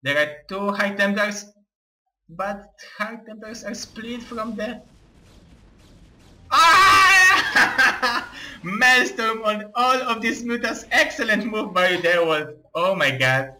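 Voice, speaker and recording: A young man with an Eastern European accent, giving live play-by-play game commentary in halting, excitable non-native English. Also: high-pitched, noisy background. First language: not English.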